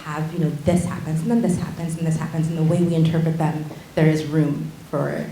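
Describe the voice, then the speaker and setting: A woman with a low, mellow voice answers questions after a show, pausing and restarting as she feels her way through each answer. The room around her is echoey, with faint hiss. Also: steady tone. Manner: thoughtful, searching for words, restarts. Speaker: theater maker answering audience questions. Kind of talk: post-show talkback. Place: theater auditorium.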